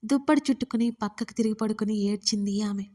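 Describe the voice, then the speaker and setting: Mellow woman narrating a story. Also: mid-range voice, fast talker. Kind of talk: scripted narration.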